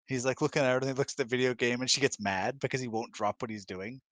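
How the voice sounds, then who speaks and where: A man talking casually in a question-and-answer chat, explaining things in a thoughtful, halting, emphatic way. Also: mid-range voice, a bit bright, dry recording. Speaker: husband co-hosting a live Q&A. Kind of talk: casual conversational advice chat. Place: close-miked online voice chat, dry.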